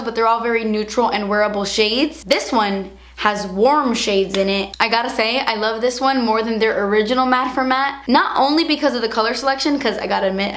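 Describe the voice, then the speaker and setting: Chatty girl in her 20s, kinda hoarse, gushing about makeup, roomy echo. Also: fairly high pitch, fairly bright tone. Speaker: beauty vlogger. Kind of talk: casual product review.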